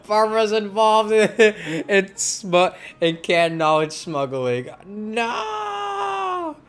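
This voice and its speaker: Young man streaming, slow and swingy. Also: sits high, sing-song, a bit bright, slight background noise. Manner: joking, slangy. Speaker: game streamer. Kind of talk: casual live gameplay commentary.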